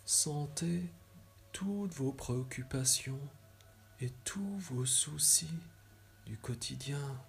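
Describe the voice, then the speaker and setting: A man guiding a relaxation meditation in a soft, soothing, measured way, giving instructions with pauses and slightly breathy phrase endings. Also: medium pitch, expressive, a little hiss or hum. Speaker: yoga nidra guide.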